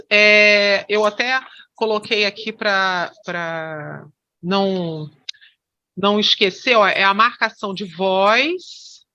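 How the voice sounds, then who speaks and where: A woman with a bright, sharp voice teaches hypnosis in an online lesson. She explains with many fillers and restarts. The recording is dull and lo-fi, like a video call. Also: mid-range voice.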